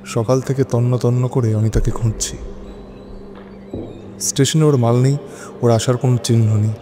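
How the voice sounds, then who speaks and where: An actor playing an anxious husband who narrates a horror audio drama in a brooding, dramatic way with halting phrases. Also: male voice, mid-range voice, steady tone, background noise, lightly acted. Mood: distraught. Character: anxious husband narrating his haunted stormy night.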